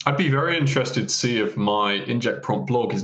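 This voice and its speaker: At a fairly quick pace, a man speaks with very wide pitch swings over noticeable background noise. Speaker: AI security streamer. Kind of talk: live stream tutorial. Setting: live stream. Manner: casual.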